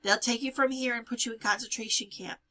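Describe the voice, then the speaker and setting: A woman's voice: a little high, steady tone, fast talker, bright, forceful tone, voice pushed up. A woman voicing a frightened, insistent young girl in a storybook reading. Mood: alarmed, insistent. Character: urgent, frightened girl child, insistent and outspoken.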